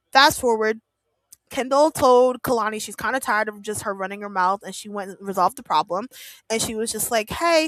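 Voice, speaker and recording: In an animated tone, a woman talks at a fairly quick pace and fairly high pitch with ordinary pitch variation, the sound dry and close with no echo. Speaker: wrestling livestream host. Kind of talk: live watch-along recap and chat. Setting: live stream.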